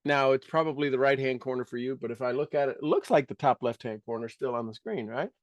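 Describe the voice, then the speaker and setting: A man's voice: medium pitch, fast talker, no echo, lo-fi sound. A man teaching a live motivational workshop to an audience, speaking emphatically, repeating key words and dropping casual asides.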